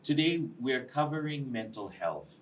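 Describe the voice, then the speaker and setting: A man from Fiji, hosting a casual studio interview in a chatty, expressive way and tagging remarks with "eh?". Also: mid-range voice, moderate pace, a little hiss or hum. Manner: chatty and expressive, with a habitual tag "eh?". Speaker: talk show host.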